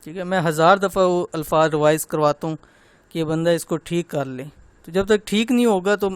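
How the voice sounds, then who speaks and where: A man teaching Quran recitation, slowly spelling out syllables and pointing out common mistakes. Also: on the high side, clear, resonant tone, no echo. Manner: slow, drawn-out demonstration of syllables, then gentle personal talk. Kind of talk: online tajweed lesson.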